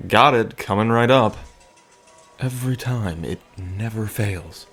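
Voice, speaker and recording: A man plays a reluctant sidekick behind the bar in an audio roleplay. He is an awkward, wry man with a fairly low voice and a slow, hesitant delivery. Faint music sits behind him. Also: fairly bright tone, slightly rough, exaggerated voice. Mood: wry, exasperated. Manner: hesitant, wry, muttering asides. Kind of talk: dramatic audio roleplay acting.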